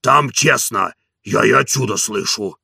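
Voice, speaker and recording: A stubborn old manservant put on by a male narrator, grumbling and evasive in a deeply gravelly, husky voice. The tone is bright and hard-edged. He sounds set back from the mic in a dry recording. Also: unhurried, dry recording, exaggerated voice. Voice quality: gravelly, hoarse.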